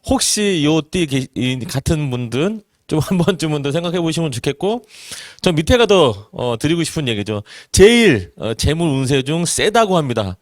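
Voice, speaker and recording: Earnest man in his forties, lively pitch. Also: moderate pace, hardly any pauses, no room sound, clean studio sound. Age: 40s. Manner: earnest, rhetorical questions, many "eo" fillers. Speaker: network marketing business presenter. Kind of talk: seminar talk to an audience.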